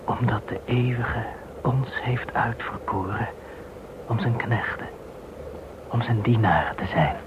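A man in a radio play acting a devout Jewish man facing deportation, telling things in a solemn, measured way. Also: mid-range voice, lightly acted. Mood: solemn explaining. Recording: muffled phone-like band, clear hiss.

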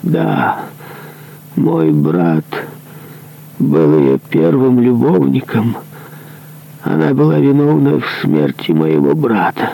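A guilt-ridden executioner on his deathbed pleads for absolution in a voice pushed high and strained, as a male audiobook reader puts him on. The delivery is slow and anguished, with a gravelly edge underneath. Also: very animated, warm tone, full character voice, low-quality recording. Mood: pleading confession. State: dying.

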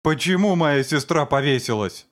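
A man voicing a vengeful man who sneers at and shouts accusations against his brother-in-law. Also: medium pitch, normal speed, close to an everyday voice. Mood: furious.

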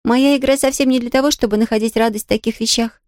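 A woman's voice: fairly high pitch, fairly even intonation, quick pace, no echo, studio quality, pitched above the performer's own voice, lightly acted. A woman voicing an eager young orphan girl. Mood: earnest, puzzled. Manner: bright, earnest and emphatic. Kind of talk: audiobook character reading.

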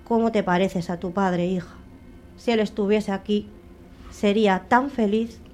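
A woman voicing a young pregnant mother who muses quickly and fretfully. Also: medium pitch, steady tone, a little mellow, faint music behind, lightly acted. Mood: tender.

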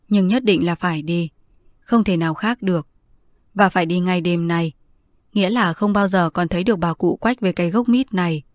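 A woman narrating an audiobook story in a measured, even way. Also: fairly low pitch, no room sound, studio quality.

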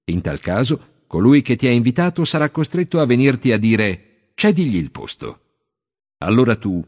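A calm, authoritative Jesus, read by a man in a bible audiobook. The delivery is measured and solemn, with a lively melody that climbs and drops through each phrase. A long reverb trails behind every line. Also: lowish voice. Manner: measured, solemn teaching cadence.

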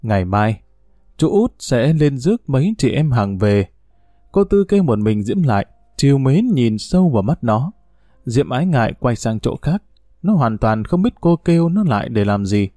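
A man narrating a story in a steady, measured reading voice. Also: mid-range voice, no echo, clean studio sound.

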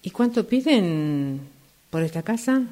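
Slow, hesitant woman house buyer acted by a woman. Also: lowish voice, very animated, mellow. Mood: skeptical. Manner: hesitant, wary, questioning. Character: hesitant, skeptical female house buyer, an artist, easily amazed. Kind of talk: amateur radio play acting.

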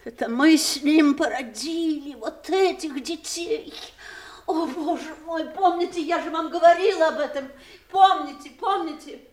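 A woman's voice: sits high, measured pace, darkish tone. An actress playing an imperious, bitter widowed mother who scorns her grown children, theatrical and cutting in an audio stage drama. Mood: bitter contempt.

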